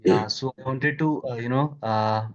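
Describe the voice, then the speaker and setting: A man's voice: medium pitch, normal speed. A man with an Indian accent on dull, lo-fi conference call audio. He is an investor putting questions deferentially, with a hesitant delivery.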